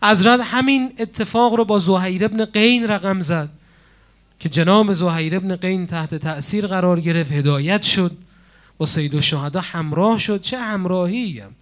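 A man preaching a sermon with passion, pausing for drama and swinging suddenly between loud and quiet. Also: high voice. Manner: impassioned, with dramatic pauses and sudden swings in loudness. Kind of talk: religious sermon.

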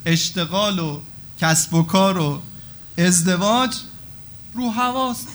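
Male cleric, high voice, animated sermon that plays out talks with God. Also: slight background noise. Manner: animated, acts out dialogues with God.

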